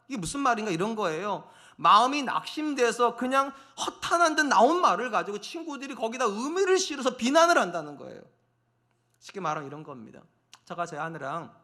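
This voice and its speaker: Lively, bright-voiced male pastor preaching. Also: high voice. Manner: animated preaching, acts out quoted voices, addresses congregation directly. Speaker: senior pastor. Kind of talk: sermon.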